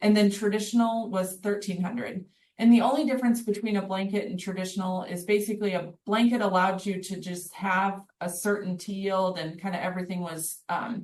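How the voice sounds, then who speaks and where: Talking at a fairly quick pace, the woman keeps a medium pitch and fairly even intonation. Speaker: crop insurance specialist. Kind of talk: webinar presentation. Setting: online webinar. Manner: fast.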